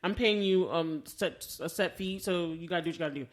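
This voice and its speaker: A woman's voice: fairly low pitch, fairly quick. An American woman co-hosting a podcast, chatting casually and telling stories expressively, often re-enacting conversations as she goes. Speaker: podcast co-host. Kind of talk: casual chat and animated personal storytelling.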